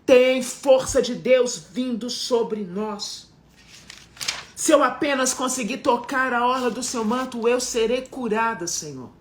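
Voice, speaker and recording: A woman's voice: fairly high pitch, takes it slowly, a little hiss or hum. A middle-aged woman preaching a live-streamed sermon, fervent and exhorting, with repeated phrases.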